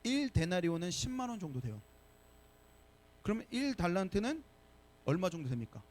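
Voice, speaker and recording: A male pastor preaching a sermon to young adults in a church, lively and often asking the congregation questions. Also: high voice, a little fast. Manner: animated, asks the congregation questions. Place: church sanctuary.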